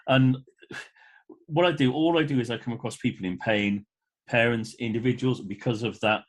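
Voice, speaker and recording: A man's voice: mid-range voice, moderate pace. A man in his fifties talking as a podcast guest in an enthusiastic, emphatic, rambling conversational way. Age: 50s. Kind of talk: casual conversational interview.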